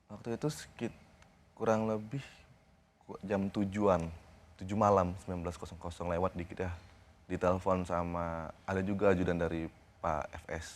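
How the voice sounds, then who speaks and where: A young man, a guest on a TV interview, recounting events in a halting, informal way. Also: sits low, level tone. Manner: halting, informal, retells conversations step by step.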